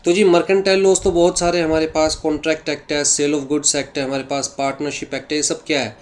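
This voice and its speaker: A man with a fairly high voice teaches a law lesson, reading English passages slowly in an Indian English accent. He then explains each point in a mix of Hindi and English, asking questions and answering them himself. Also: flat delivery. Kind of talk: classroom lecture.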